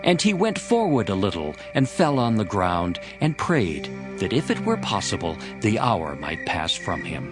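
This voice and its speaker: Casting: man to narrate dramatized scripture, lowish voice, very varied intonation, over music. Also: wildly swooping pitch, moderate pace, few pauses. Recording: music behind the voice. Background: background music.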